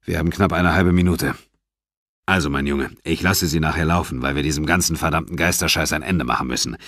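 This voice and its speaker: A man plays a blunt, gruff senior police officer in a low voice, recorded dry and close. He talks down to a younger man in a curt, no-nonsense way. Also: brisk, a bit bright, no room sound, exaggerated voice. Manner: gruff, blunt, fatherly-condescending.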